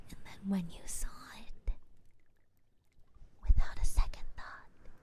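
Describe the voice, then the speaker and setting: A calm, scholarly witch , acted out by a woman, speaks in a soft, breathy whisper. Her tone is mellow and her pace extremely slow, with thoughtful pauses between phrases. It is an intimate ASMR roleplay style, curious and measured. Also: mid-range voice. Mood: curious, gentle.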